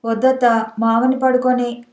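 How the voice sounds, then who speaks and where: A woman's voice: on the high side, little pitch movement, measured pace, darkish tone, natural voice. Woman reading a frightened pleading village mother. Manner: pleading, trembling. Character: poor anxious young village mother. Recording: echoey room.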